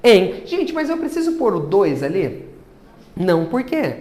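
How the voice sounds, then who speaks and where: A man's voice: high-pitched, big pitch swings, unhurried, a little mellow. A man with a Brazilian Portuguese accent teaching a chemistry class, asking his students questions and then answering them himself. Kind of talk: classroom lecture.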